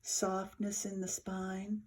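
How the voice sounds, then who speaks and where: A yoga nidra teacher speaks at a medium, monotone pitch. She gives soft, soothing meditation cues in short, paused phrases.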